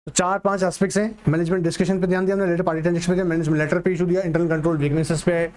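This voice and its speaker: A man teaching an exam-prep lecture online, mixing Hindi with English terms and slowing down to read English text aloud. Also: high-pitched, little pitch movement, a little mellow. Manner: asks and answers his own questions, slows to read English text aloud. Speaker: online tutor.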